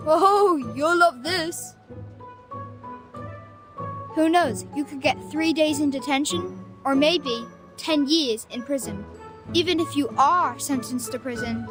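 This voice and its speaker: An actress playing a cheeky, streetwise young arcanist in a video game, teasing, theatrical and talkative. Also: female voice, high-pitched, close to an everyday voice. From Bosnia and Herzegovina. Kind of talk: video game story voice acting. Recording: loud music under the voice.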